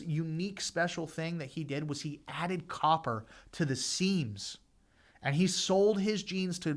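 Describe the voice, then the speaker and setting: A man hosting a finance podcast, explaining in a conversational way, repeating points for emphasis, with frequent fillers. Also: on the high side. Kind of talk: casual explainer talk.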